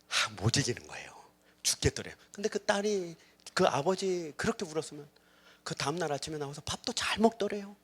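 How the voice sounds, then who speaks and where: A middle-aged man preaching a sermon as pastor, telling a story with acted-out quotes and swinging between hushed and loud delivery. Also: on the high side, brisk, husky. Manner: animated storytelling, acting out quoted voices, shifting from hushed to loud.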